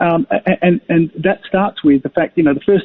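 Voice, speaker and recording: The delivery is fairly quick. It comes in an Australian accent. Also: man. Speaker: property developer, co-founder of later-living company. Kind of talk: radio interview. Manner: repeats words, stammers on starts.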